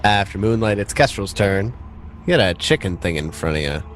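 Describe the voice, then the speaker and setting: A man's voice: lowish voice, animated, fairly quick, a bit bright, slight background noise. A man narrating a tabletop roleplaying game as game master in a casual, conversational way. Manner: informal, conversational.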